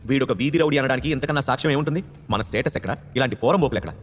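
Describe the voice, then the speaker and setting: A man voicing a haughty, angry, wealthy middle-aged mother who scolds loudly. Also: medium pitch, very fast, long reverb tail, soft background music, close to an everyday voice. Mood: furious. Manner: scolding, scornful, loud.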